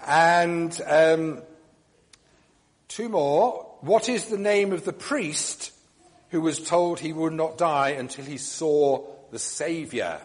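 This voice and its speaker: A man leading a church service, delivering a measured reflection and blessing with frequent ums, his voice carrying in a long churchlike reverb. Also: a little high.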